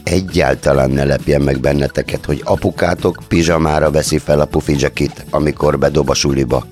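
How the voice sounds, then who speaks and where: A man's voice: very deep voice, fairly even intonation, over music. A man hosting a radio show, delivering a playful, mock-solemn comic monologue addressed to children.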